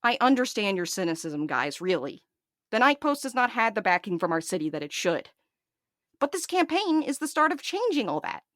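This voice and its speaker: A woman's voice: medium pitch, sing-song, normal speed, a bit bright, no echo, studio quality. A woman playing a fussy male governor's assistant in an audio drama, with chirpy, polished PR patter. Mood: smoothly persuasive. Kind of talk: scripted audio drama dialogue.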